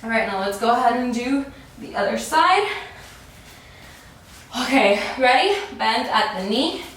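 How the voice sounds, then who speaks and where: Echoey, high-voiced peppy woman workout coach. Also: expressive, measured pace, fairly bright tone, slight background noise. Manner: exerting herself while talking. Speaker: fitness coach leading a workout. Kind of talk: casual workout instruction. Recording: echoey room, distant microphone.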